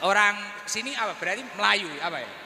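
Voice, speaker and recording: Chatty preacher in echoey hall. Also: male voice, high-pitched, lively intonation. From East Java, Indonesia. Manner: chatty, teasing, fires quick questions. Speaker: preacher hosting a gathering. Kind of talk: casual chat with audience members. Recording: roomy hall reverb with faint noise.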